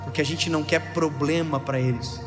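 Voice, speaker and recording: A man in his thirties preaching a sermon with emphatic, playful delivery, rising to near shouts. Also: a little high, steady tone, moderate pace. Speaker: pastor. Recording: live hall with long reverb and music.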